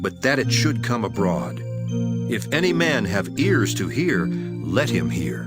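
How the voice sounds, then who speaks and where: A man playing a solemn, authoritative male teacher of parables, declaiming deliberately in a dramatized scripture reading. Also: on the low side, sing-song. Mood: earnest, authoritative. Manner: declamatory, deliberate preaching delivery. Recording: prominent music behind the voice. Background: music.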